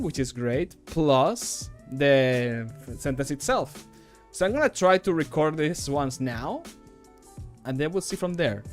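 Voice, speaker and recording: A man in his thirties chatting casually on a livestream in a rambling, self-deprecating way. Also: medium pitch. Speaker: streamer and game modder. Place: small home room, indoors.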